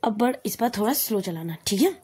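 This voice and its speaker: A woman's voice: medium pitch, lively intonation, fairly quick, darkish tone, breathy edge. A woman voicing a playful, carefree young woman who teases her partner in a spoken love story. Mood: teasing. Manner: teasing, easygoing.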